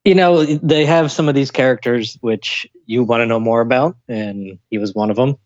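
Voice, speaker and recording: A laid-back man of middle pitch, guesting on a podcast with an easy, jokey manner and frequent laughs. His voice comes through dull and lo-fi. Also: moderate pace, darkish tone, no echo. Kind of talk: casual chat.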